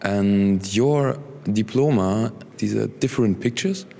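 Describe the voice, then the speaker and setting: Gravelly low man in a reverberant room. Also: slow pace, warm tone. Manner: brief, prompting questions. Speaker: radio interviewer. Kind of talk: casual interview questions.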